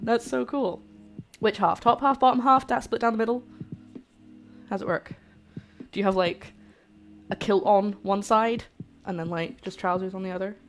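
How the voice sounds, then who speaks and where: A young woman with a light Scottish accent, chatting casually to her viewers while cooking in her kitchen on a live stream. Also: on the low side. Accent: light Scottish-English mix. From Scotland. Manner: chatty, rambling, talks to chat. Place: home kitchen.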